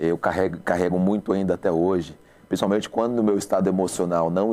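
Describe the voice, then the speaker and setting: Speaking at a fairly quick pace, a man uses a very deep, low pitch and a dark, mellow tone with monotone, flat intonation. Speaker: show host and preacher. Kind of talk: interview on a talk show.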